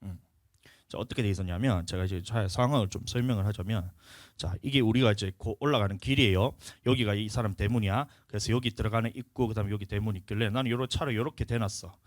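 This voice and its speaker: A male pastor, telling a personal story in a lively, animated sermon. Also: lowish voice, fast talker, no echo, studio quality. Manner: animated storytelling, acts out a quarrel. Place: church.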